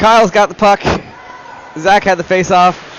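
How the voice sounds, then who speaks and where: A man with a high-pitched voice talks while noticeable background noise fills the recording. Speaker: amateur youth hockey commentator. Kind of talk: live commentary. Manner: fast.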